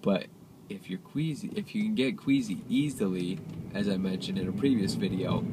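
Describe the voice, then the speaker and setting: A man's voice: fairly low pitch, normal speed. A young man with a nasal, congested voice from a cold, chatting casually and rambling while filming himself in his car. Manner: rambling, chatty, self-deprecating. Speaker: vlogger. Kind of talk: casual driving vlog. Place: inside a moving car. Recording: loud road and engine noise.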